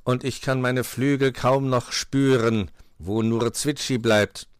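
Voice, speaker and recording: A man's voice: mid-range voice, steady tone, clean tone, no room sound, clean studio sound, pitched above the performer's own voice, close to an everyday voice. Man doing a sensible, cawing storybook black bird. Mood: helpful. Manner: measured, caws between phrases.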